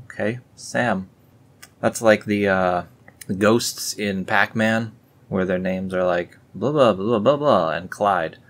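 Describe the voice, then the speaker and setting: Reading a religious text aloud slowly, a man with a lowish voice hosts a casual video read-along. He interrupts the solemn passages with dry, sarcastic asides.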